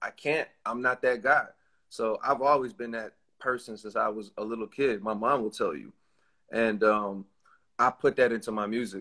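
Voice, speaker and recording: With an American accent, a man speaks at a moderate pace in a medium pitch, his tone bright and sharp and his intonation fairly even. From Iran. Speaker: rapper. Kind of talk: interview.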